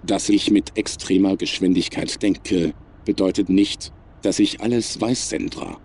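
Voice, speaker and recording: A man playing a cold, superior, menacing artificial intelligence in a science fiction audio drama, speaking in a measured, formal, emotionless way. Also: deep voice, darkish tone, slightly rough. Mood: analytical, detached.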